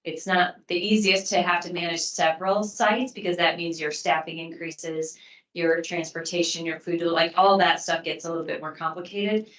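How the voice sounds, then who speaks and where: A woman's voice: lowish voice, steady tone, moderate pace, fairly bright tone, far from the mic. A woman, a city official, explaining plainly at a public contract briefing. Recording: echoey meeting room.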